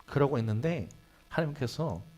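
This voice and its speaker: A man preaching a Sunday sermon in a church, telling a story with sudden swings between loud and hushed delivery. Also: mid-range voice, expressive, moderate pace, husky. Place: church sanctuary.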